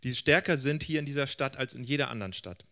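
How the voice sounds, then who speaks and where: A man's voice: mid-range voice, fast talker, sharp tone. Man interpreting in church, phrase by phrase. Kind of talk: consecutive interpretation of a sermon.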